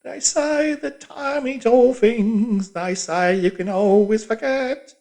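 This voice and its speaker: Woman putting on a high, loud singing washerwoman. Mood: wistful singing. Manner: slow, drawn-out singing. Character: sturdy working-class washerwoman of fifty, singing tirelessly. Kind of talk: sung storybook character voice.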